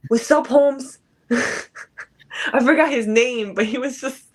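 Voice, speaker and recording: A woman's voice: high-pitched, slow pace. A woman from New York, a podcast guest in casual chat, teasing and laughing.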